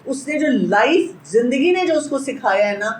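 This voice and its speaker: A woman's voice: high voice, lively intonation, reverberant, poor audio. A middle-aged woman with a Pakistani accent, a pediatrician giving an Islamic parenting lecture in an earnest, advising way and mixing English words into her speech.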